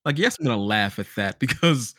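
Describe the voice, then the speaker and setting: A man's voice: medium pitch, lively intonation, brisk, fairly bright tone, no room sound. Young man chatting, dry close sound. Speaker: podcast co-host. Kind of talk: casual chat.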